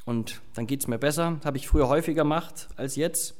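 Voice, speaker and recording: A man's voice: fairly high pitch, fairly quick, darkish tone. Conversational German-speaking male preacher. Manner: conversational, with fillers and asides. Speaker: pastor. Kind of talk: sermon with Bible reading.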